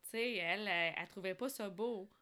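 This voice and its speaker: Bright, clear-voiced woman from Algeria. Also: medium pitch, fairly quick. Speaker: podcast guest. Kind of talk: casual conversational storytelling.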